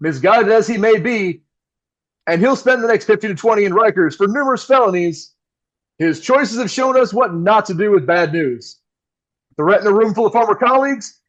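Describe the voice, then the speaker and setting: An actor playing a polished, wry and nervous live radio host in an audio play, with a theatrical announcer delivery. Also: male voice, high-pitched, expressive, moderate pace, a bit bright, lo-fi sound. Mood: showy announcing. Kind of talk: old-time radio play acting.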